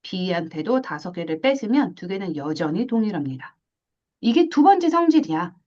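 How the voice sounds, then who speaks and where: Animated woman teaching math. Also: mid-range voice, moderate pace, muffled recording. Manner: animated, asks questions and acts out little scenes. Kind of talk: classroom lecture.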